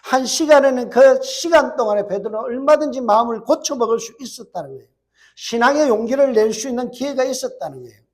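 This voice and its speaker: A middle-aged male pastor with a Gyeongsang Korean accent, preaching a sermon quickly and putting rhetorical questions to his congregation. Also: high-pitched. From Gyeongsang, South Korea. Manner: fast-talking, strong regional accent.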